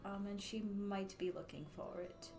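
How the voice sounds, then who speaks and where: A woman's voice: medium pitch, steady tone, normal speed. A woman player chatting casually during a tabletop game, hesitant with many ums and frequent laughs.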